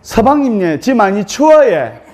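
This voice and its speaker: A monk doing a pushy Gyeongsang bride. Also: male voice, sits high, big pitch swings, measured pace. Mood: insistent. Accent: Gyeongsang dialect. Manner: loud, insistent calling out.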